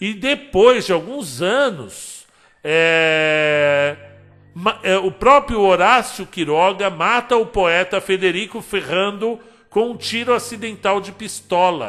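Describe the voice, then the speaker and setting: His voice is high-pitched, bright and sharp. The man's intonation is lively. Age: 40s. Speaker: audiobook narrator and storyteller. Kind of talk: casual commentary on an author's life. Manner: conversational, with frequent fillers and hesitations.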